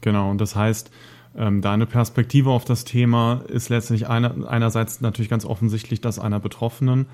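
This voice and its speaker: A man's voice: medium pitch, steady tone, brisk, darkish tone. A man hosting a podcast, talking in long winding sentences with many hesitations. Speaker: podcast host. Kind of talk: casual podcast conversation.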